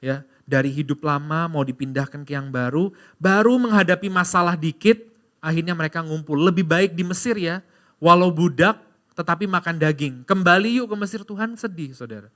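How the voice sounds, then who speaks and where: A pastor preaching a sermon in a church, telling a personal story and calling out to the congregation, moving between loud emphatic stretches and quiet confessional ones. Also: male voice, fairly high pitch, moderate pace. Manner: lively storytelling, addressing the congregation as "Saudara". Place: church sanctuary.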